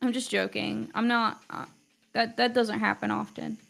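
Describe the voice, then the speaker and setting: A young woman with a slightly high, gravelly, somewhat bright voice speaks at normal speed in a level tone. She's an art teacher whose first language isn't English, rambling casually with plenty of "like" while drawing on a livestream.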